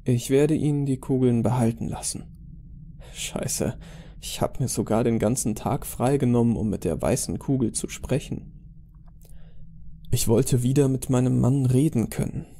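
Very dark, gravelly male narrator. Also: medium pitch, normal speed. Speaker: horror story narrator. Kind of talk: dramatic scripted story narration.

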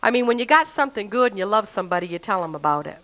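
A woman's voice: mid-range voice, expressive, rapid-fire, fairly bright tone, poor audio. A middle-aged woman telling her own faith story with fervor and feeling, acting out her prayers and the things people said to her. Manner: fervent, emotional, quotes her own prayers aloud. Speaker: testimony speaker. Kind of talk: spoken personal testimony.

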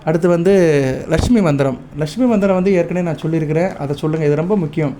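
A man with a Tamil accent giving devotional advice to viewers, measured and instructive, stopping often to check that listeners follow. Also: a little high, a little hiss or hum. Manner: chants mantras and praise lists in a steady recitation. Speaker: astrologer.

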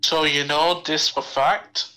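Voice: medium pitch, steady tone, takes it slowly, bright, forceful tone. A person playing a game with a friend, teasing and playful in casual chat. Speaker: game player.

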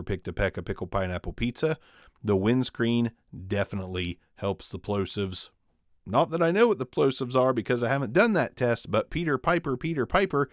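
A man in his forties reviewing a microphone in a casual, upbeat way, talking close into a studio condenser in a small home studio. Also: no echo. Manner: upbeat, conversational, frequent pitch jumps when emphasizing. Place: small dark studio room with guitars. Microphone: studio condenser on boom, close.

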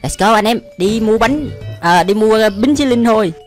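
With a high voice at a normal speed, a young man delivers casual YouTube reaction commentary packed with exclamations, often entertained by the footage. Music sits behind his voice.

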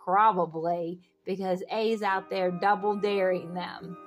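A woman reading a picture book aloud to young children, expressive and sing-song, talking directly to her little listeners. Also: lowish voice, slow pace, soft background music.

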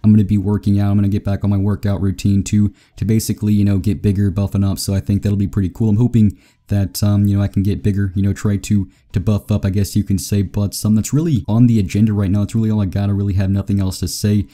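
A man who is sick and a little raspy, chatting casually to his viewers in a rambling vlog update over gameplay footage. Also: fairly low pitch, level tone, quick pace, dark tone. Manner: rambling, chatty, many fillers. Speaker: gaming YouTuber.

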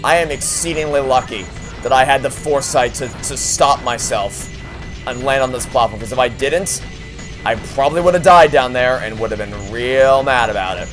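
A man's voice: medium pitch, moderate pace. A young man talks over his gameplay in a mid-range voice, sarcastic and exasperated, swearing as he complains. Game music plays faintly behind him. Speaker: let's play host. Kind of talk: profane frustrated gameplay commentary.

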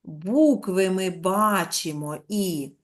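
A woman primary school teacher giving an online lesson to young children. She dictates slowly, stretches out words and sounds out letters one by one, and keeps prompting the pupils with questions. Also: on the low side. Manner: drawn-out, slow dictation, sounding out letters and syllables.

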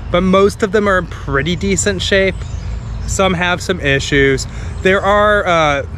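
A man's voice: high voice, unhurried, a little hiss or hum. Chatty young man talking resale prices. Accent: Midwestern American. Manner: chatty, thinking out loud about prices. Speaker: reseller vlogger. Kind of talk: casual vlog commentary. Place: outdoors at garage sales. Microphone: action camera.

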